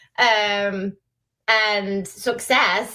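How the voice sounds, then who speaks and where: A woman with an English accent speaks in a bright, sharp tone. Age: 40s. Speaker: masters runner and coach. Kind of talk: casual interview chat.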